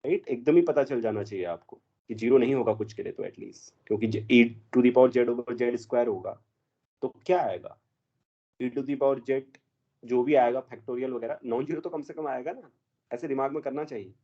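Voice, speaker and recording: A man's voice: mid-range voice, normal speed, highs cut off. A man teaching an exam math problem in a classroom, mixing Hindi with English math terms and quizzing his students.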